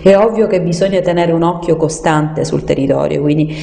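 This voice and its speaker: A woman's voice: low voice, brisk, gravelly, warm tone. A woman explaining things as a guest in an unscripted radio discussion, hesitant and searching for words. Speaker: studio guest explaining environmental issues. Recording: echoey room with long reverb.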